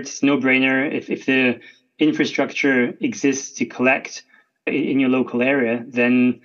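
Scottish man, mid pitch, conversational expert guest, slightly muffled lo-fi audio. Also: fairly bright tone. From Scotland. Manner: chatty, frequent "right?" tags and restarts. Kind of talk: podcast interview.

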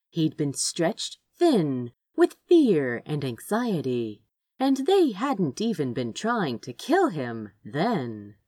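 A woman narrates fiction in a slightly low voice. Her reading is measured and unhurried, with animated rises and falls, and the recording is dry. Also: no room sound. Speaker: audiobook narrator. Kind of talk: expressive scripted fiction narration.

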